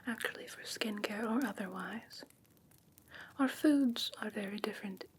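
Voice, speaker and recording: A woman playing a curious, haughty fae creature in an ASMR fantasy roleplay, whispering softly in a hesitant, musing, gently condescending way. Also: mid-range voice, normal speed, a little hiss or hum, lightly acted. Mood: curious, soothing. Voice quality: soft breathy whisper.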